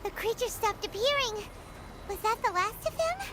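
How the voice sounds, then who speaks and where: A woman's voice: very high-pitched, expressive, normal speed. A woman voicing a tiny, chatty, childlike female companion in a video game, inquisitive and exclaiming. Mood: curious, concerned. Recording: music behind the voice.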